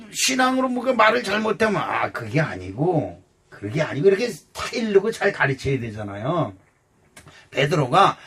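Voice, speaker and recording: An older man preaching a sermon as pastor, animated and loud, acting out quotes with bursts of shouting. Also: high voice, breathy edge. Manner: animated, acts out quotes in exclamations.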